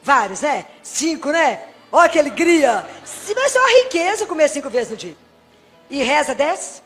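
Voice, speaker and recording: A woman from Brazil, middle-aged and high-voiced, delivers a live Catholic sermon. She tells stories and keeps turning to the congregation with questions. Faint music sits under her voice. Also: moderate pace. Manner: lively, storytelling, asks the audience questions. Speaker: Catholic preacher.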